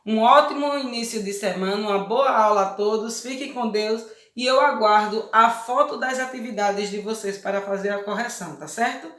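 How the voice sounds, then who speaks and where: A Brazilian woman talks young pupils through a lesson in a patient step-by-step way. She keeps checking that they follow. Her voice sits a little high and carries a roomy echo. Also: normal speed, few pauses, a bit bright. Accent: Brazilian Portuguese. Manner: patient, explains step by step with many check questions. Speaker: primary school teacher. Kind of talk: recorded remote lesson for children. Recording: echoey room.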